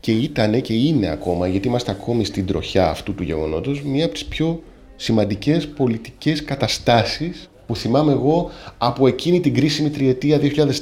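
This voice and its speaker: At a moderate pace, a man with a medium pitch speaks with vocal fry and very wide pitch swings. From Greece, Athens. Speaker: writer. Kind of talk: interview.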